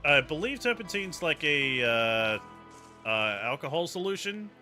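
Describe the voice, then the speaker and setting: A man's voice: on the high side, very animated, moderate pace, bright, forceful tone, soft background music. A man streaming a game with a friend, joking, reading on-screen text aloud and laughing often. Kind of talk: casual let's-play commentary.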